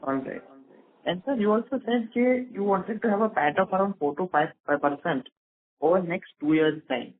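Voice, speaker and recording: A man's voice: high-pitched, moderate pace. A man with an Indian accent asking questions as an analyst on a business conference call, over a telephone line. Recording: narrow tinny phone line.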